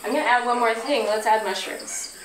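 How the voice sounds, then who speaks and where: A woman in her thirties leads a class from a flip chart and keeps asking the group questions. She is picked up by a distant camera in a roomy outdoor pavilion. Steady noise and crickets sit behind her. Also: a little high, a little fast. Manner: friendly, asks the group questions. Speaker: workshop teacher. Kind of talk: teaching a workshop class. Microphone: far camera. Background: insects and crickets.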